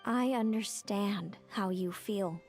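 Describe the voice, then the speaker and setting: A woman voicing a calm, knowing mysterious figure in a video game, speaking slowly and philosophically. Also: medium pitch. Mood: musing. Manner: slow, measured, philosophical. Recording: game audio with faint music.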